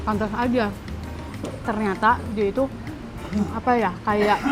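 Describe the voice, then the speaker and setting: A young Indonesian woman hosts a casual food vlog, chatting in slang as she interviews a cook and tastes the dishes outdoors. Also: medium pitch. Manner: chatty, slangy, lots of agreeing murmurs. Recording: music playing behind.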